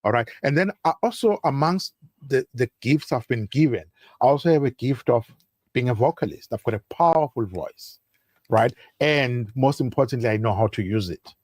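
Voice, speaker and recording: South African male guest, husky timbre, dry close mic, holds forth with oratorical flair. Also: mid-range voice, animated, moderate pace, darkish tone, no echo. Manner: expansive, speechifying. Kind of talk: talk-radio interview.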